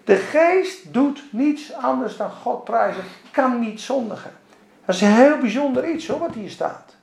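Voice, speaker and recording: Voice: medium pitch, expressive, a little slow, creaky, darkish tone. A Bible study teacher giving emphatic Bible study teaching and putting rhetorical questions to the group. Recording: roomy echo.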